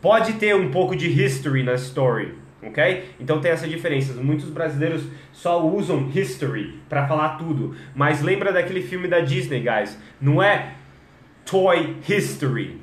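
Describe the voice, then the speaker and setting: A young adult man from Brazil teaching English in a live stream, energetic, switching between languages and stretching out example words. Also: fairly high pitch, reverberant. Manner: energetic, code-switching, drawn-out demo words.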